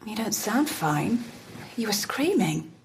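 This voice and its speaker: An actress playing a worried, caring woman who softly questions her partner in an audio drama. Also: mid-range voice, sing-song, slow, slight background noise. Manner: concerned, soft.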